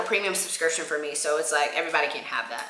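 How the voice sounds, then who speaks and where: A woman with an American accent talks at a very fast pace. The recording has audible room echo and noticeable background noise. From US South (Virginia/North Carolina). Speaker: YouTuber. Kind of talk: Q&A casual chat. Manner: casual, hesitant with fillers.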